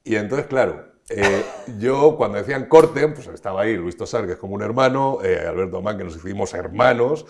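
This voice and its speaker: A middle-aged man from Spain with a very low voice talks as a guest in an interview. He tells his stories in an expansive, animated way, often restarting his phrases. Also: fairly quick, few pauses. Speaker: actor, guest. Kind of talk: conversational interview.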